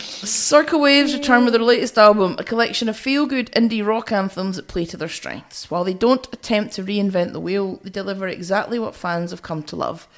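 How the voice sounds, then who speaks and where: A woman's voice: mid-range voice, a little fast. A woman co-hosting a music podcast, chatting and reviewing in a blunt, teasing way with some swearing. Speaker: podcast co-host.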